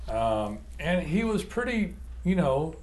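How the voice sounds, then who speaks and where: A man's voice: fairly high pitch, very animated, slow pace, a little mellow, rough recording. A man, co-hosting a casual business podcast and telling a client story in a rambling, self-mocking way with many restarts. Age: 40s. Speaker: podcast co-host.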